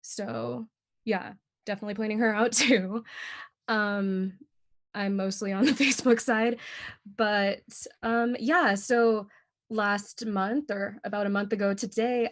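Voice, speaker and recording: A woman's voice: mid-range voice, fairly even intonation, unhurried. A young woman on a video call, giving a friendly, casual update as library staff, with frequent fillers and small laughs. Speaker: library staff running bilingual story time.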